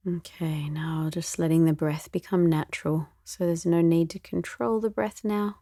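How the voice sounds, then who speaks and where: A woman leads a guided meditation in a low, mellow voice. She speaks very slowly and gently, with a soft, soothing delivery that sometimes turns breathy. The sound is close and dry. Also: fairly even intonation, dry recording. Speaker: meditation teacher.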